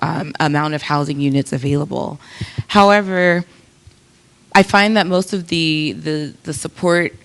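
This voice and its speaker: A woman with a low voice gives her remarks at a community panel. She talks earnestly and works through her points with frequent fillers and self-corrections.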